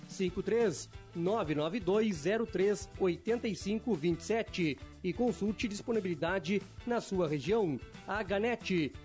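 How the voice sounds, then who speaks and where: High-voiced, punchy radio ad man. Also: a little mellow. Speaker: radio ad announcer. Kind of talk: scripted radio ad read.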